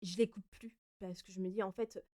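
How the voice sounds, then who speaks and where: A young woman from France hosting her own podcast, answering listener questions in a relaxed, chatty way with frequent fillers and self-corrections. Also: mid-range voice, brisk. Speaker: podcast host. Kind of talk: casual solo Q&A podcast.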